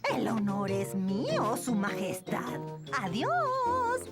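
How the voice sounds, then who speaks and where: A woman's voice: a little high, wildly swooping pitch, takes it slowly, over loud music, full character voice. A woman voicing a temperamental lady witch who is easily charmed, in a Latin American Spanish cartoon dub. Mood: flustered, flattered. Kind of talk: animated children's cartoon dub.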